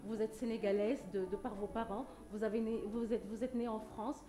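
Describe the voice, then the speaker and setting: A woman's voice: a little high, fairly even intonation, fairly quick. A woman hosting a TV talk show, putting formal, polite questions to her guest with some stumbles. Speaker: TV show host.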